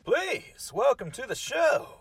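A man hosts a comedy interview in a strikingly high-pitched voice that swoops up and down. He banters in a showy, mock-formal way, and music plays clearly behind him. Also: big pitch swings, slow pace. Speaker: comedy podcast host.

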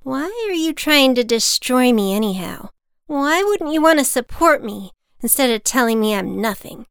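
A woman's voice: sits high, animated, moderate pace, clean tone, no echo, studio quality, voice pushed up. Woman doing a defiant boy talking back. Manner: indignant, argumentative.

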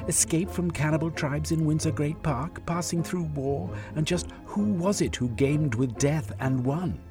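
A man reader voicing a pompous, self-important middle-aged gentleman who gives blustering, indignant speeches. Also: a little high, measured pace, over music, voice pushed up, natural voice.

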